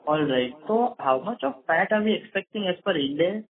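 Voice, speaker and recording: A man's voice: sits high, animated, fairly quick, a little hiss or hum. A man with an Indian accent asking questions as an analyst on a business conference call, over a telephone line. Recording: narrow tinny phone line.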